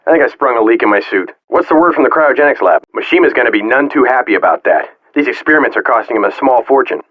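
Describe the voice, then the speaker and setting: A man's voice: medium pitch, expressive, fast, no echo, muffled recording, close to an everyday voice. A man voicing a weary, gossipy facility guard in a video game, griping in a conspiratorial way. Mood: fed up. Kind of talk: video game character dialogue.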